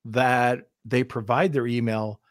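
A man's voice: mid-range voice, steady tone, slow pace, dry recording, studio quality. A man with a Canadian accent hosting a podcast, asking questions in an easygoing, casual way. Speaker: podcast host.

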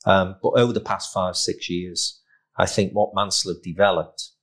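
A man with a fairly low voice hosts a business podcast. He speaks emphatically, with a salesman-like push in his delivery as he presents. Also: steady tone, moderate pace, fairly bright tone. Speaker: podcast host. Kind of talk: podcast interview and promotional announcements.

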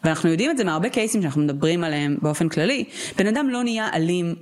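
A woman's voice: lowish voice, expressive. Chatty young woman on a podcast. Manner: talkative, quick, with many "like" fillers. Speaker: podcast co-host. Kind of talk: casual chat.

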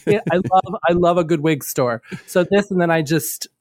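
Campy drag queen guy, kinda high voice, gushy podcast chat, super dry sound. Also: normal speed, a little mellow, no room sound. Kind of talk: casual chat.

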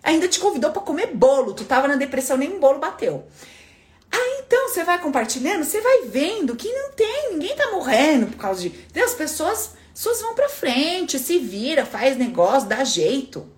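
A woman's voice: high-pitched, fairly quick. A woman hosting a live stream, telling stories in a casual, motivational way and acting out the voices she quotes. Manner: animated storyteller, acts out quoted voices; informal and chatty, calls listeners "minha filha" and "menina".

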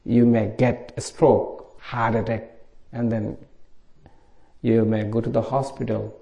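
A middle-aged Buddhist monk from Bangladesh with a Bangladeshi accent, giving an informal dharma talk in simple English at a meditation retreat. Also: male voice, mid-range voice, level tone, takes it slowly, gravelly, dark tone, lo-fi sound.

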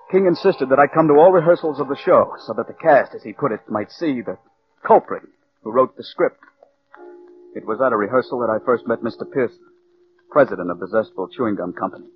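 An actor playing a bitter scriptwriter narrating. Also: male voice, medium pitch, natural voice. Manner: brooding first-person narration. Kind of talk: 1940s radio drama narration. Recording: dull old radio broadcast with music.

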